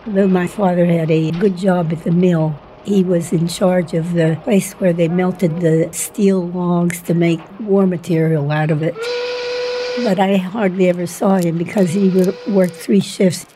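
An older woman shares memories of her childhood in an unhurried, plain way. Her voice sits low and sounds warm and mellow. A faint hiss runs under the recording. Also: steady tone, low-quality recording. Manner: slow, plain storytelling with soft laughs. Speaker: interviewee. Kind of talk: oral history reminiscence.

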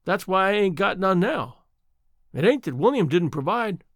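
A man voicing a gentle old mountain widow. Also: high voice, very animated, normal speed, no echo, clean studio sound, voice pushed up, full character voice. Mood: wistful. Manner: rural dialect, homely grammar; apologetic, wistful.

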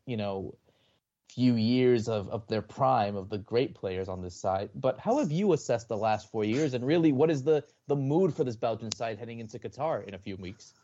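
A man's voice: medium pitch, expressive, normal speed, dark tone, muffled recording. A man co-hosting a football podcast, asking long, rambling questions. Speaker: podcast co-host. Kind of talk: casual podcast interview.

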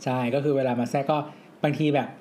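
A man co-hosting a casual podcast chat, with a soft, sweet-sounding voice and a mild, explaining manner. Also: medium pitch, fairly even intonation, fast, a little hiss or hum. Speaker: podcast co-host.

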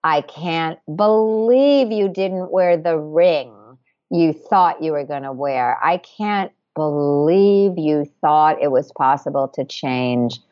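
A woman's voice: low-pitched, takes it slowly, highs cut off. A woman voicing a contemptuous inner-critic figure that berates the listener. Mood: scornful. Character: scornful scolding inner-critic voice, female.

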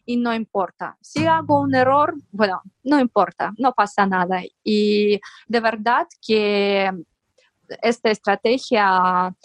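A woman's voice: mid-range voice, slow pace, no echo. A woman guest on a podcast interview, speaking earnestly and encouragingly while searching for words.

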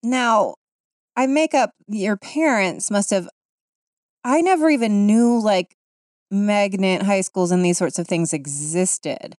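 A woman's voice: mid-range voice, slow, darkish tone, no room sound, clean studio sound. A woman from Ohio hosting a casual interview, asking long, meandering questions full of fillers. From Ohio, United States. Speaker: host.

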